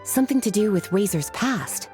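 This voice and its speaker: A woman voicing a relaxed adult woman mage who teases fondly, in a video game. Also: mid-range voice, normal speed, lightly acted. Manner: languid, affectionately teasing. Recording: game audio with faint music.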